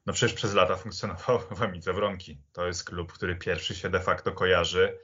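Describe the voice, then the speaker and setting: A man speaking on a football podcast in a measured, explanatory and conversational way, building long sentences. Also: low voice, fairly even intonation, a bit bright, husky. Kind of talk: conversational sports history discussion. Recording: slightly dull, band-limited audio.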